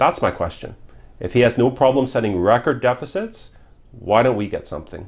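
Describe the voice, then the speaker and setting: In a Canadian accent, a somewhat breathy voice moves at a fairly quick pace with lively intonation over a quiet background. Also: man, medium pitch for a man. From Canada, Mississauga, Ontario. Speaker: politician. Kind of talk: interview. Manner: halting.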